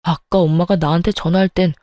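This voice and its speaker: A woman's voice: fairly low pitch, steady tone, quick pace, dark tone, dry recording, natural voice. A woman voicing a blunt, middle-aged husband who demands answers in a reproachful way. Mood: angry.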